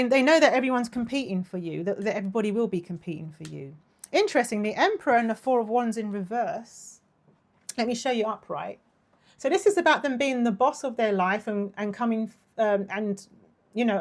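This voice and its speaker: A woman's voice: mid-range voice, lively intonation, a little fast. A woman in her thirties doing a casual tarot reading, gushing and affectionate, her voice worn and partly lost. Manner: gushing, affectionate, with frequent laughs. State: losing her voice. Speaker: tarot reader.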